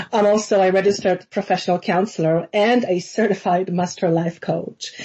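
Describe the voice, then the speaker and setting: Against noticeable background noise, a woman with a non-native accent talks at very even loudness and with fairly even intonation. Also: medium pitch for a woman. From Poland. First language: not English. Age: 40s. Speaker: psychic medium and radio host. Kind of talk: radio show monologue. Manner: some hesitation with fillers.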